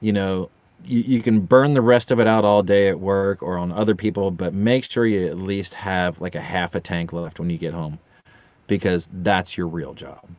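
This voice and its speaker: A middle-aged man with a fairly low voice talks casually and anecdotally, moving between earnest and joking. The recording is a little dull and roomy, like a remote podcast guest in an untreated room. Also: fairly even intonation, moderate pace, a little mellow. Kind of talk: casual conversational storytelling. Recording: roomy, slightly dull lo-fi connection.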